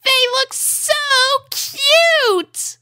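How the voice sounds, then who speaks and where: A woman's voice: very high voice, expressive, drawn-out words, pushed and bright, dry recording, pitched above the performer's own voice, heavily acted. A woman voicing a sweet, easily charmed little girl pony in a cartoon storybook style. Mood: cooing delight. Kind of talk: cartoon fan fiction character voice.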